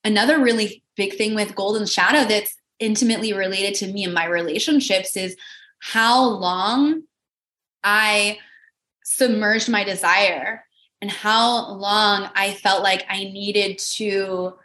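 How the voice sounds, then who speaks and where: A woman's voice: mid-range voice, a little slow, bright, forceful tone, reverberant. A woman hosting a personal spiritual coaching podcast, talking in an earnest, encouraging manner. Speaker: podcast host.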